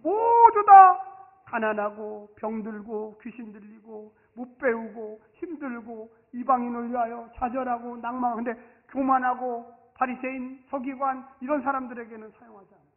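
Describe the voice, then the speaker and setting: Pastor guy preaching with a real high voice, punchy, tinny phone-like sound bouncing around a big church. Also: level tone, normal speed, in a large hall. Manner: emphatic, calls for repeat-after-me responses. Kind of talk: sermon. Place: church sanctuary.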